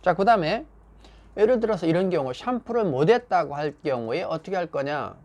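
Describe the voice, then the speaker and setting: High, animated man giving a lesson. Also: brisk. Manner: explains patiently, then acts out example lines in a raised, lively voice. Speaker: salon staff communication instructor. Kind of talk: lecture on workplace phrasing.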